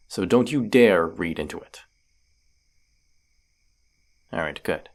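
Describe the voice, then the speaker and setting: Man acting as injured vampire hunter, deep register, heavy vocal fry, wry grumbling banter, audio drama. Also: heavily acted. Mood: teasing, defiant. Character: injured, stubborn male vampire hunter, sardonic and teasing. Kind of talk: scripted roleplay audio drama.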